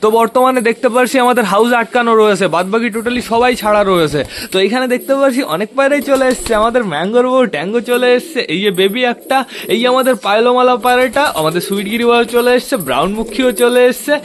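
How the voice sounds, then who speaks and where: A man with a high voice runs through his pigeon loft at a quick clip. He chats casually to viewers and calls to his birds by name, coaxing them to move. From West Bengal, India. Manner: chatty, talks to birds and viewers. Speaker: pigeon-keeping vlogger. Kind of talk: casual vlog narration.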